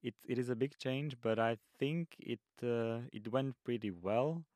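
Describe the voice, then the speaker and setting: A man's voice: mid-range voice, a little slow, darkish tone, dry recording, clean studio sound. A nineteen-year-old man from Slovakia, a student guest on a podcast, talking earnestly with hesitant fillers. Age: teens. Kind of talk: casual podcast interview.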